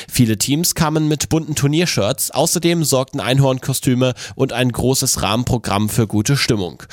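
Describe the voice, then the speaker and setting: A man reading local news bulletins in a steady, formal voice at a middle pitch. The sound is close and dry, with no room around it. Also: no room sound. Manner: even, formal delivery. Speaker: newsreader. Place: radio studio. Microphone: close studio microphone.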